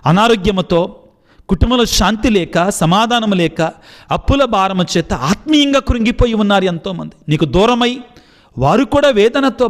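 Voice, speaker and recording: A man, a Catholic priest, giving an impassioned sermon and then leading a spoken prayer. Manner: impassioned preaching, rising high on appeals.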